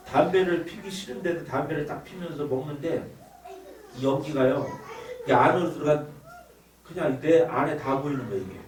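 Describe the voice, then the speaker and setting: Man giving a testimony in an echoey room. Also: on the high side. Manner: animated storytelling, acts out his own past outbursts. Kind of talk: spoken testimony. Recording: echoey room, distant mic, noisy.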